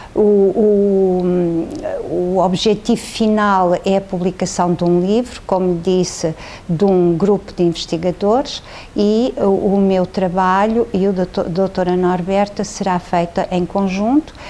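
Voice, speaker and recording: Through noticeable background noise, a woman at a medium pitch speaks at a very slow pace, with very even loudness and fairly even intonation. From central Portugal (Ourém). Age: 60s. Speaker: anthropologist. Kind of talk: interview. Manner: hesitant, many fillers.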